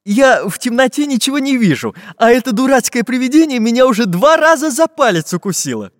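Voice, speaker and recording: A man voicing a lively, cheerful little pencil-man hero with an animated delivery. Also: extremely high pitch, fairly quick, no echo, clean studio sound, in a large hall, pitched above the performer's own voice. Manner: surprised, animated.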